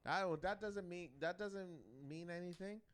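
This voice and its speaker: Loud, profane young man bantering. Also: high voice, fairly even intonation, unhurried, clean tone. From Canada. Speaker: podcast co-host. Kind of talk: casual podcast chat.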